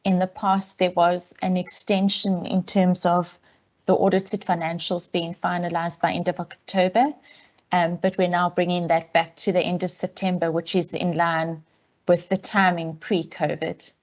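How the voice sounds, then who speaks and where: A woman's voice: on the low side, level tone, a little mellow. Woman auditor heard over a lo-fi call line. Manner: measured and businesslike, with frequent ums. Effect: heard over a video call line. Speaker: external auditor presenting a report. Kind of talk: formal briefing to a council committee. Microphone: remote call audio. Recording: dull, lo-fi call audio.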